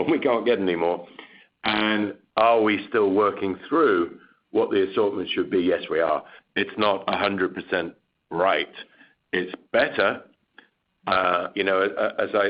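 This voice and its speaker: A male chief executive with a fairly low voice gives off-the-cuff business commentary. He is candid and measured in his optimism. The sound is a somewhat muffled, lo-fi conference call. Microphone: conference call line. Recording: dull, lo-fi conference call audio.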